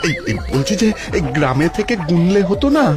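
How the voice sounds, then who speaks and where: A man's voice: high-pitched, big pitch swings, over music. A man doing a jittery frightened peddler. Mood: scared. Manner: jittery, fast, fearful. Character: timid superstitious male peddler, easily frightened. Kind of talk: cartoon voice acting.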